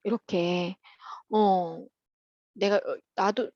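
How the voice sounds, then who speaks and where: A woman teaching at a private academy, patiently walking children through workbook answers in a chatty way, with frequent soft "um" pauses. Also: mid-range voice, fairly even intonation, no echo, lo-fi sound. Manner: patient and chatty, opens steps with "자" and fills pauses with "어".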